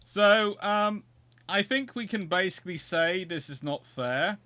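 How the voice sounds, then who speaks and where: Bright-voiced Surrey Englishman streaming a game. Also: sits high, unhurried, no echo. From England. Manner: chatty, jokey, thinking aloud with restarts. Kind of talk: casual live gameplay commentary.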